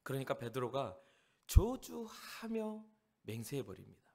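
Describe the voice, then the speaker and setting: A man from Jeolla, South Korea, preaching as a pastor at a youth service, animated and acting out the people he describes. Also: mid-range voice, a little slow, creaky. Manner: animated, acts out the lines of the people in the story.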